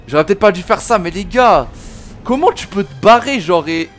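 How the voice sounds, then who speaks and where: A man's voice: high voice, expressive, normal speed, soft background music. A man, angry, swearing and slangy, commenting on a video game he plays and talking to his viewers. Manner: swearing, slangy, talks to viewers as "les gars". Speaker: gaming video host. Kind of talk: let's play commentary.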